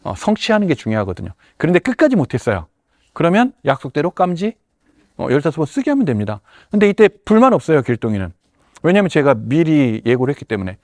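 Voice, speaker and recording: A middle-aged man, a head teacher, gives a lively workshop talk to fellow teachers and acts out classroom exchanges in different voices. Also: medium pitch, dry recording, studio quality.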